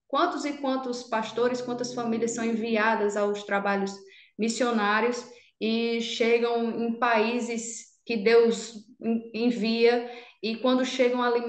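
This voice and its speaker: A woman's voice: on the high side, reverberant. A woman with a Brazilian Portuguese accent, co-hosting a religious teaching podcast, explaining earnestly and often checking in with "né?". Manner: earnest, explanatory, with many "né?" tags and restarts. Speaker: podcast co-host, Sunday school teacher. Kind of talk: casual religious podcast discussion.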